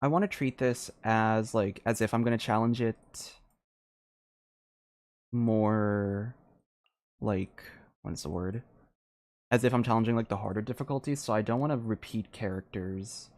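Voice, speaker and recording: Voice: medium pitch, measured pace, pauses often, a little mellow. A video game streamer giving casual live gameplay commentary, thinking aloud hesitantly and often trailing off mid-sentence.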